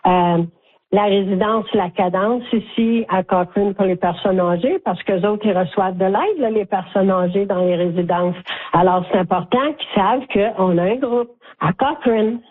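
A woman's voice: mid-range voice, normal speed. Older franco-ontarian lady on the phone, tinny line, talks with her hands kinda, says ok a lot. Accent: Franco-Ontarian French. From Northern Ontario, Canada. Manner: warm, animated storytelling with frequent "ok?". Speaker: guest, community volunteer. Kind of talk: phone interview.

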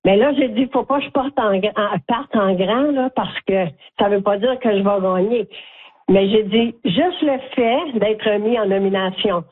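An older Franco-Ontarian woman speaks warmly and with real enthusiasm, her words unhurried and drawn out. She comes through a thin, tinny phone line on the radio. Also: mid-range voice. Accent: Franco-Ontarian French. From Northern Ontario, Canada. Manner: enthusiastic, heartfelt, exclaims often. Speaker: interview guest, community volunteer.

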